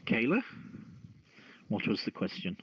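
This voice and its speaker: Slow, low-voiced man chatting. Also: very animated, husky, dry recording. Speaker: podcast host. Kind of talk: casual chat. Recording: dull, lo-fi online audio.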